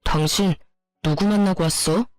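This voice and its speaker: A cheating husband confronting his wife, pitched lower in a blunt, accusing tone, as a woman voices him. The read is dry and close, part of a spoken story. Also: moderate pace, no room sound, faint music behind, close to an everyday voice.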